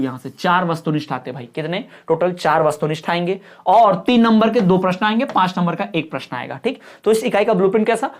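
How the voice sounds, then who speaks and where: A woman teacher giving an exam-prep lecture, often asking if things are clear and adding up marks aloud. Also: lowish voice.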